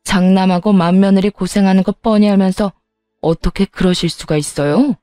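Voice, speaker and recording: Woman as money-grabbing sister-in-law, pushy and brazen, mellow dark voice, dry close sound. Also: mid-range voice, steady tone, a little fast, no echo, faint music behind, natural voice. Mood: demanding. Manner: sugary then brazen and demanding. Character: greedy scheming older sister-in-law, woman.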